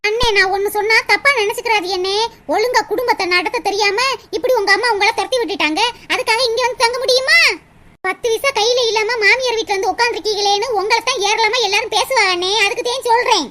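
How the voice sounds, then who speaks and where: A woman voicing a sharp-tongued young daughter-in-law in a cartoon drama, scolding and sarcastic. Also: very high voice, quick pace, a little hiss or hum.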